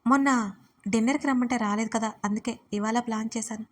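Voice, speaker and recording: A domineering young boss man in a storybook audio drama, as a woman reads him, barking orders and teasing in a fairly high, bright voice. He scolds sharply and talks down to the heroine. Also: fairly even intonation, fast, lightly acted. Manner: commanding, scolding.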